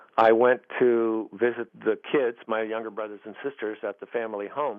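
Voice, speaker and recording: A man speaks in an unremarkable speaking voice at a medium pitch. He talks with an American accent. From US West Coast, San Francisco Bay Area. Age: 60s. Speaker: author. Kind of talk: radio interview.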